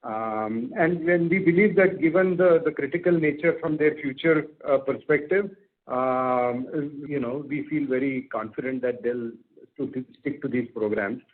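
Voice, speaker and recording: A man, a company executive explaining business outlook on an earnings call in a measured, pausing way. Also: mid-range voice. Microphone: telephone conference call. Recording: tinny narrowband conference phone line.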